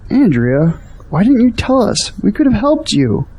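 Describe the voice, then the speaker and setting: A man's voice: sits high, wildly swooping pitch, unhurried, dark tone, slightly rough, full character voice. An actor playing an earnest, hopeful young Christian man in an audio drama. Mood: urgent. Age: young adult.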